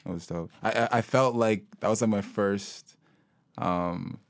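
A young man from Sudan, a local hip-hop artist, talking about his music in a relaxed, rambling way with many fillers and restarts. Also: lowish voice, unhurried, no room sound. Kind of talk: casual interview conversation.

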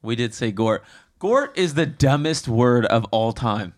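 A man's voice: medium pitch, animated, measured pace. A man co-hosting a casual podcast chat, teasingly quizzing his co-host on slang.

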